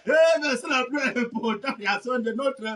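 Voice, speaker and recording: Man, preacher, shouting sermon, bright tense voice, distant mic. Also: very high voice, normal speed. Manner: shouting, repetitive, laughing outbursts. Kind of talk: fiery sermon.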